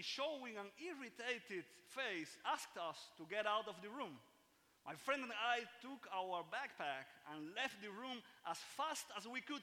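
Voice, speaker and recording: High, lively Cuban-accented man in a hall. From Cuba. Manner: earnest, measured, with small restarts and asides. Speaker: speaker telling a personal story. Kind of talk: storytelling talk. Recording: long reverb of a large hall.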